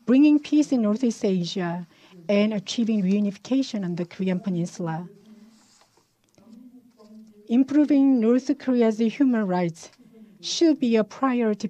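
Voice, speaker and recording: Female interpreter for a formal conference address. Soft, mellow tone, average pitch, measured and halting delivery. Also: low-quality recording. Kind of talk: live spoken interpretation of a formal speech.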